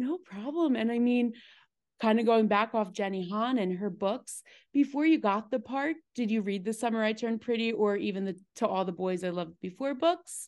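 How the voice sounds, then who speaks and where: In an ordinary speaking voice, a woman with an American accent and fairly high pitch uses lively intonation at a moderate pace against a quiet background. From New Jersey, US. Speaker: podcast host. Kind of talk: interview.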